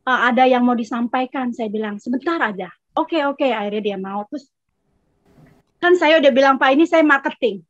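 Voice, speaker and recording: A woman's voice: high-pitched, lively intonation, normal speed, no room sound. A woman in a congregation telling a testimony casually, chatty and acting out both sides of a conversation. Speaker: congregation member giving a testimony. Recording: dry, slightly dull sound.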